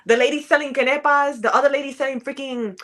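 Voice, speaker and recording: A woman's voice: high-pitched, fairly even intonation, quick pace, a bit bright. A woman from New York, a podcast guest in casual chat, teasing and laughing.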